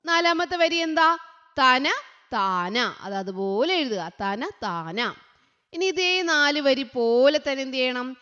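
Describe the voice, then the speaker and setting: A woman tutor, teaching young children, asking questions and answering them herself, sometimes chanting lines slowly. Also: fairly high pitch, sharp tone, clear, resonant tone. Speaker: online tutor. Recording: dull sound with a long echo.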